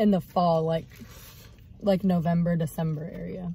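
Somewhat breathy, a woman talks with fairly even intonation in a dry sound with no echo. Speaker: vlogger. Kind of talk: casual mukbang chat. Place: car. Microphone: phone near.

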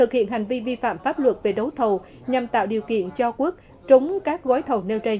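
An unremarkable speaking voice at a fairly quick pace, with lively intonation. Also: woman. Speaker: news presenter. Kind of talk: news reading. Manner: formal.

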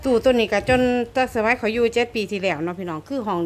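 There is light background noise as a woman speaks. Her pitch varies in an ordinary way. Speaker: home vlogger. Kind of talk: casual vlog chat. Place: home room. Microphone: phone near.

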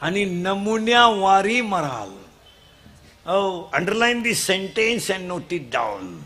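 A man speaks in a raised, projected voice. His pitch varies in an ordinary way. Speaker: religious folk preacher. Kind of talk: humorous sermon (kirtan). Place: stage. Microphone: podium.

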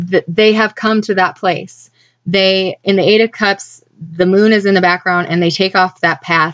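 Intonation stays fairly even as a woman speaks at a moderate pace. The background is quiet. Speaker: tarot reader. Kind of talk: tarot reading monologue. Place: home room. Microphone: webcam.

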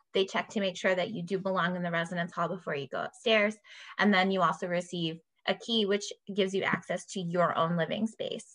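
Fairly even intonation runs at a fairly quick pace over a quiet background. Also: woman, medium pitch for a woman. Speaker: university housing director; presenter. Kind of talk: presentation. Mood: friendly, welcoming. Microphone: webcam.

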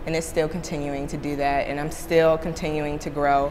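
A woman speaks at a very deep, low pitch over noticeable background noise. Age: 20s. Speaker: college dance student. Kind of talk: interview testimony. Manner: animated. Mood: warm, enthusiastic, reflective. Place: classroom.

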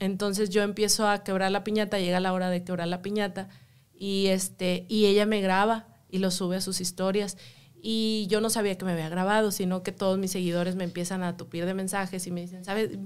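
Her delivery is fairly quick, and this woman keeps a monotone, flat intonation. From Monterrey, northern Mexico; Mexico. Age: 30s. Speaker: adult content creator; podcast guest. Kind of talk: interview; interview answer. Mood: serious, personal storytelling. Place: studio. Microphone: studio mic.

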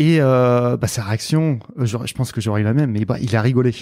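Speaking with fairly even intonation and a medium pitch, the man keeps a fairly slow pace. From western France, Nantes. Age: 40s. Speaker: mental performance coach. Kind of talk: interview. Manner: hesitant, many fillers.

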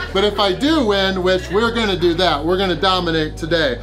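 Clear music plays in the background as a man speaks at a high pitch with ordinary pitch variation. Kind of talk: casual vlog chat. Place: bar.

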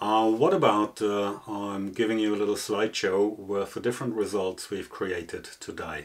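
A plain, everyday voice, a man's, fairly low in pitch at a moderate pace. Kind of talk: tutorial. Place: home room.

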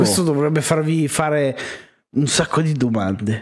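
Against a quiet background, a man mumbles at a moderate pace with lively intonation. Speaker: streamer. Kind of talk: casual reaction commentary. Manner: drunk, drowsy mumbling. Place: home room. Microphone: studio mic.

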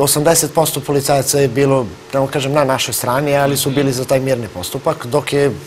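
Light background noise is present. Over it, a man speaks at a very fast pace. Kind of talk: interview answer. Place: studio. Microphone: lapel.

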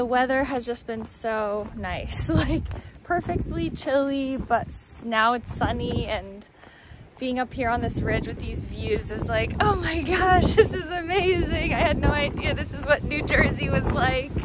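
Loud background noise fills a dry, echo-free recording of a woman speaking at a fairly slow pace. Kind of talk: casual vlog chat. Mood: cheerful, laughing. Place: open country. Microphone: phone near.

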